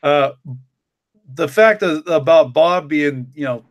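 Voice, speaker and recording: A man's voice: on the high side, takes it slowly, highs cut off. A man co-hosting a podcast, explaining things casually with a hesitant delivery. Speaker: podcast co-host and story creator. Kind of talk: casual discussion.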